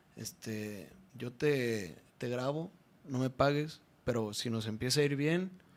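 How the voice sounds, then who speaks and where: Pitched at a medium level, a man's voice varies in an ordinary way. He talks very slowly. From Nayarit, Mexico (Las Varas, coast). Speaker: rapper. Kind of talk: casual chat.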